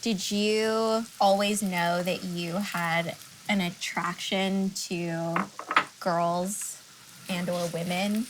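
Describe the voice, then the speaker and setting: A woman's voice: lowish voice, fairly even intonation, very slow, very noisy. A woman with an American accent hosting and asking questions in a casual, attentive, affirming way. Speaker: host and interviewer. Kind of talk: casual, conversational interviewing. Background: music and frying sizzle.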